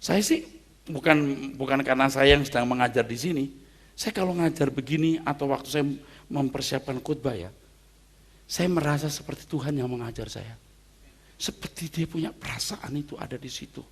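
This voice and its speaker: A man preaching a sermon as pastor, emphatic, jumping from loud exclamations to soft asides. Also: medium pitch, normal speed, slightly rough.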